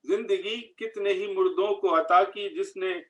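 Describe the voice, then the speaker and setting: A high-pitched male voice recites verse at a literary gathering. He moves very slowly and with measure through each couplet, often saying a line twice. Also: poor audio. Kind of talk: slow Urdu ghazal recitation.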